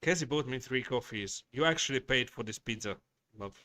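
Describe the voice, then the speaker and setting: A man's voice: medium pitch, lively intonation, brisk, sharp tone, no echo. A man hosting a casual livestream, chatting with viewers, reading their messages and swearing bluntly as he rambles. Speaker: livestream host.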